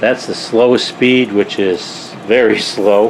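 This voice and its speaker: A man with a fairly low pitch speaks with fairly even intonation. Noticeable background noise is present. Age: 70s. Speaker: woodworker reviewing tools. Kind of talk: product review tutorial. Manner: halting, many restarts and fillers.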